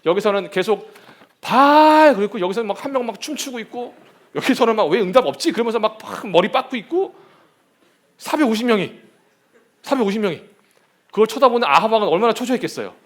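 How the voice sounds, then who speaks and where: A young man preaching a lively sermon to young people, telling stories and acting out the scenes. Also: high voice, fast talker. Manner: animated storytelling, shouts and acts out scenes. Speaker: youth pastor.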